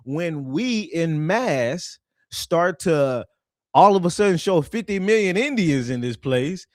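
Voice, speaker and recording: A man's voice: a little high, animated, slow, no room sound, clean studio sound. A man giving casual, profane ranting commentary, laughing often and mocking someone.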